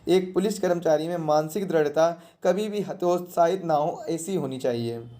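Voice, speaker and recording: An exam coach with a mellow, relaxed tone teaches through questions and answers. The delivery is didactic, restating each point and asking rhetorical questions before answering them. The pitch sits in a middle register. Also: normal speed.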